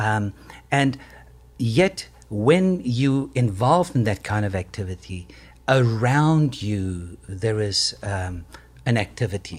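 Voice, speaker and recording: A man's somewhat breathy, medium-pitched voice with a South African accent, very slow in pace with lively intonation. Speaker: pastor. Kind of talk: casual chat.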